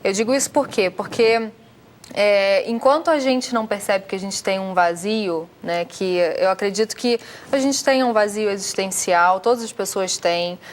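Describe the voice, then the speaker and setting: A Brazilian woman on a talk show panel, explaining her view in a measured way with hesitant fillers. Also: medium pitch. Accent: Brazilian Portuguese. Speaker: guest panelist.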